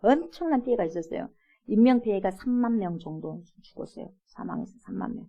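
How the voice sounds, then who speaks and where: Animated woman pastor preaching. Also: medium pitch, fairly quick, dull audio. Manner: animated, acts out quoted voices, laughs often. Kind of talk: early-morning prayer sermon. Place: church.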